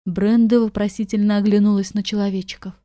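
Woman, audiobook narrator, calm measured reading, mellow tone, dry close mic. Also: medium pitch, dry recording. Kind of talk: storybook narration.

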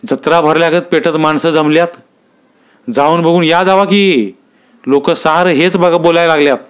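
A man's voice: fairly high pitch, fairly even intonation, moderate pace, clean tone, voice pushed up, close to an everyday voice. A man voicing worried village men. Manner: worried, rustic village speech. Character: anxious rural village men talking.

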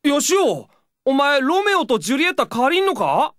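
A teasing teenage boy in an audio drama. His pitch swings dramatically as he speaks in blunt, disbelieving slang. The sound is close and dry. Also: big pitch swings, moderate pace, a bit bright, dry recording. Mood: incredulous, teasing. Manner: blunt, incredulous boyish slang. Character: teasing, skeptical teenage schoolboy friend. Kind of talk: Japanese audio drama acting.

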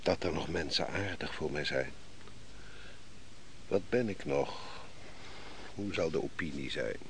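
An actor playing a defeated army commander in a Dutch radio play, weary, bitter and brooding, speaking in a grave, declamatory way. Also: male voice, a bass voice, measured pace. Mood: broken, bitter. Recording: noisy old radio play recording.

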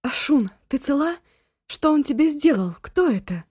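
A woman's voice: high-pitched, animated, normal speed, a little mellow, dry recording, studio quality, voice pushed up. A woman voicing a frightened, protective eighteen-year-old girl who speaks in anxious, pleading tones.

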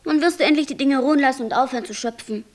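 An actress playing a naive, questioning black angel in a German radio play, simple, wondering and gently reproachful. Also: female voice, high-pitched, racing, lightly acted.

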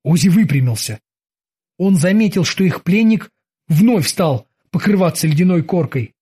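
An expressive audiobook narrator reads the chapter aloud. The voice rises and falls widely, with a husky, breathy texture. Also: medium pitch, moderate pace. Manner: expressive reading.

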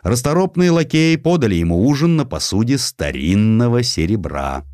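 A man reading a historical story as an audiobook narrator, in a measured, expressive literary style. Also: lowish voice, no echo, clean studio sound.

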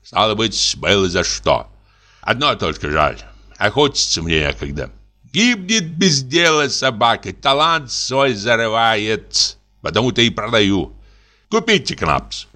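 A man's voice: lowish voice, sharp tone, exaggerated voice. A man voicing a boastful, pushy, middle-aged army lieutenant who is drinking, exclamatory and wheedling. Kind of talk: audiobook character reading.

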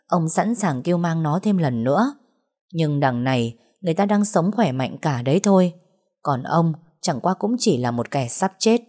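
A woman narrating a family drama story in a steady, dramatic way. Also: deep voice.

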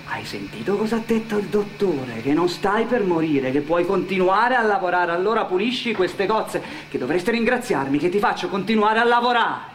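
An actor playing a falsely paternal, menacing restaurant boss in a radio play, coaxing in colloquial speech with a southern Italian accent. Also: male voice, sits high, expressive, moderate pace, few pauses, a bit bright, slight background noise. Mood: bossy. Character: wheedling, menacing male restaurant boss exploiting a worker. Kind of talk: theatrical monologue in a radio play.

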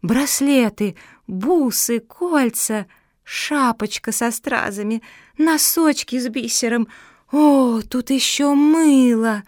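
A woman voicing an older female dog who adores jewelry and gushes loudly. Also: medium pitch, slow, no echo, clean studio sound, lightly acted. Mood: delighted.

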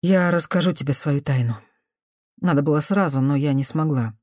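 A woman reading an audiobook voices a gentle, cautious woman speaking softly and trying to calm someone down. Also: low-pitched, normal speed, dry recording, studio quality. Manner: soft, conciliatory, hushed.

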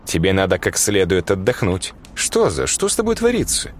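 A man's voice: low-pitched, wildly swooping pitch, normal speed, slight background noise. A man voicing a blunt, foul-mouthed middle-aged male teacher who lectures and swears. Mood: gruff. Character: gruff crude male schoolteacher, middle-aged.

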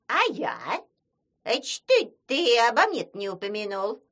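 A woman voicing an eager, excitable swamp creature who squeals her lines. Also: on the high side, unhurried, full character voice.

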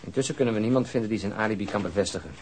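Casting: actor for a weary male detective, lowish voice, rapid, irritable, faintly noisy radio drama. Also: close to an everyday voice. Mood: weary, disgusted. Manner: terse, irritable. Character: tired, irritable, disgusted male police detective.

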